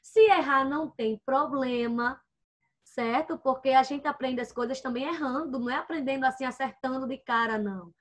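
Using a computer microphone and headphones, a high-voiced woman teaches first graders online. She coaxes them with patient warmth, spelling out syllables slowly and checking in again and again.

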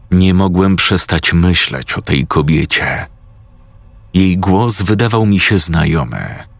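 A man narrating a scripted horror story in a tense, measured voice, close to a studio mic. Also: low-pitched, vocal fry, a bit bright, dry recording.

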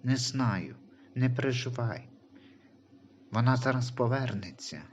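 A man voicing a tender, reassuring guardian angel in a Christian audio story, speaking calmly and comfortingly. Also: mid-range voice, measured pace, lo-fi sound, slight background noise, natural voice. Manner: calm, comforting.

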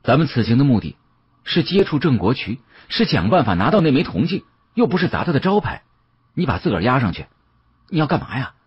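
A man acting an exasperated appraiser, very husky voice. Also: mid-range voice, very animated, brisk, no room sound, highs cut off, pitched above the performer's own voice. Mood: annoyed. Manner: blunt, questioning, reproachful. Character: earnest male antique appraiser, exasperated and scolding.

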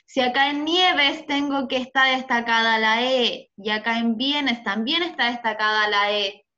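A woman's voice: fairly high pitch, unhurried, pushed and bright. A woman teaching a class over a video call, patiently quizzing her students. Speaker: schoolteacher. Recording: muffled video-call audio.

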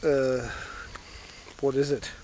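A man, reviewing his outdoor gear in a casual, halting way with many fillers, filmed outdoors by a lakeshore on a camera held at arm's length. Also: mid-range voice, little pitch movement. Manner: halting, many fillers, simple non-native phrasing. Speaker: outdoor channel host. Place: outdoors on a lakeshore in light rain. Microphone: handheld camera at arm's length. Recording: faint rain and outdoor noise.

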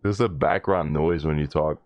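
A man's voice: normal speed, dull audio, a little hiss or hum. A man talking casually in game voice chat through a voice changer that morphs his voice. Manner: laid-back, short friendly callouts. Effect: voice changer deepening and morphing the voice. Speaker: gamer playing undercover with strangers. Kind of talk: casual voice chat during an online match.

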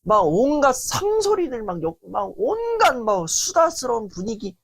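A man giving a lecture on family relationships in a lively, rambling way, often acting out family arguments. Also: very high voice, normal speed. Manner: animated, heavy use of fillers, acts out quoted family arguments. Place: lecture stage.

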